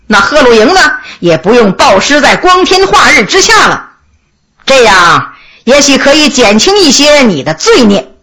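A woman voicing a stern old-court judge, cold and measured. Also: high-pitched, big pitch swings, pushed and bright, heavily acted. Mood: coldly measured. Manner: slow, measured, coldly reproachful. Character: stern middle-aged male imperial judge.

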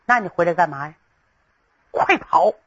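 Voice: mid-range voice, lively intonation, normal speed, fairly bright tone, lo-fi sound, voice pushed down. A storyteller voicing an anxious, blunt male officer who talks urgently.

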